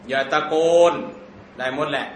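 A man teaching an Islamic text, drawing out Arabic words slowly, then explaining them in casual, joking talk. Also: a bit bright, roomy sound, a little hiss or hum. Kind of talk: Thai lecture explaining an Arabic hadith text.

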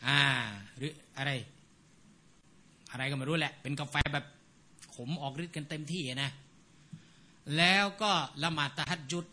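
High, bright-voiced male teacher. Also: a little slow, long pauses. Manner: animated, keeps asking rhetorical checks; mimics accents while explaining. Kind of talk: casual lecture to students.

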